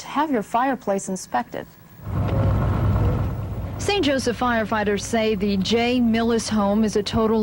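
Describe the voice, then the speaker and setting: Higher-pitched American woman reading news. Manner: measured, formal broadcast delivery. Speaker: TV news anchor. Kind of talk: scripted local newscast narration. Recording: old TV broadcast with background noise.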